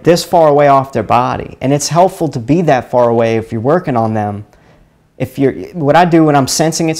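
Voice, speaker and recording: A man's voice: a little high, a little mellow. A man with a Louisiana accent from around Chalmette, hosting a live stream and talking casually through a hands-on exercise, rambling and often repeating himself. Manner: rambling, fumbling, repeats words. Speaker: live stream host teaching energy healing.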